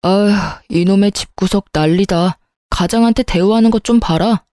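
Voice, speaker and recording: A stubborn, hot-tempered middle-aged father barks and blusters at his family, as a woman narrator puts him on. The voice is mellow and close, recorded dry for a read-aloud story. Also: medium pitch, moderate pace, no room sound, close to an everyday voice. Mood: angry. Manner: shouting, bullying, indignant.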